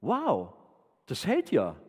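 An eager, wide-eyed male disciple, as a preacher puts him on, his voice lifted and bright with wonder. He sounds bold and excited as he calls out. The words ring through a hall with a long reverb. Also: takes it slowly, husky, full character voice. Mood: amazed eager. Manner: excited, higher-pitched, wondering.

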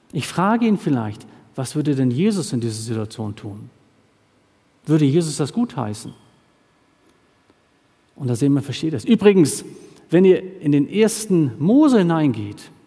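A middle-aged man preaching to a congregation about his missionary work, with a mellow, somewhat high voice. He tells stories and voices the people in them in quick bursts. The sound carries a long reverb from a large hall. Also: breathy edge. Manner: storytelling, quoting seafarers in short lively bursts.

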